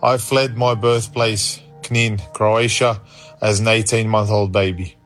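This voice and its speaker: A man's voice: fairly low pitch, little pitch movement, unhurried, fairly bright tone. A man, a footballer, telling a short personal story in a scripted video style. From Australia, from early childhood refugee. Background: guitar music.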